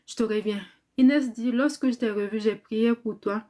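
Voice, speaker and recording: A fairly high-voiced woman talks casually on a live stream, tired and recovering, reading out viewer comments as she goes. She often repeats words, thanks people by name and breaks into short prayers, all in a warm, chatty way. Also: fairly even intonation, normal speed. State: tired, in convalescence. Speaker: cosmetics business trainer on a live stream.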